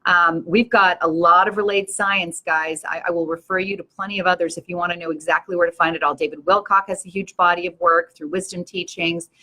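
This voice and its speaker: A woman's voice: lowish voice, fairly even intonation, brisk, few pauses, pushed and bright. An older woman hosting her own show, talking earnestly and with passion to her viewers in a preachy, rousing way. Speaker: show host. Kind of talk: live-stream talk to viewers.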